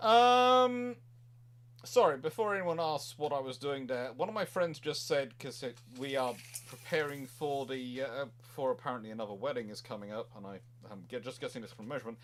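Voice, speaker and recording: A man's voice: mid-range voice, normal speed, fairly bright tone. Rambling man chatting about history. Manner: rambling, digressive explanations with repeated words. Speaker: naval history show host. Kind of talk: casual panel chat.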